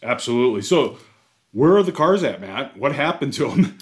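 A man's voice: medium pitch, sing-song, moderate pace. Male podcast co-host, casual and rambling, mid-range voice, full of restarts. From Ohio, US. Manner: rambling, many restarts, self-deprecating jokes. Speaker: podcast co-host at a car dealership.

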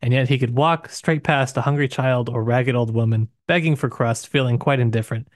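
A man's voice: medium pitch, brisk, no echo, studio quality. A man co-hosting a literary podcast in casual discussion, thinking aloud and rephrasing as he goes. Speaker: podcast co-host.

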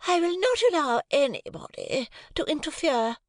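A haughty, imperious gentlewoman who speaks high and shrill, as a male narrator puts her on, full of wounded dignity. The recording is dry and close. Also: big pitch swings, moderate pace, no echo, heavily acted. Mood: indignant. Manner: shrill, indignant and affronted.

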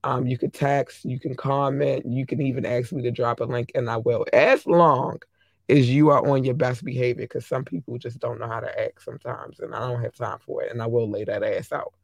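A hoarse podcast host chatting casually, affectionately shouting out listeners country by country. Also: medium pitch, fairly even intonation, moderate pace, dry recording.

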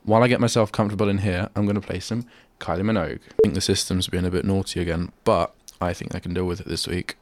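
This deep-voiced male radio host talks fast with few pauses and fairly even intonation, his voice nasal and stuffed up from a head cold. He rambles self-deprecatingly in a casual solo chat at a studio microphone. The recording is dry.

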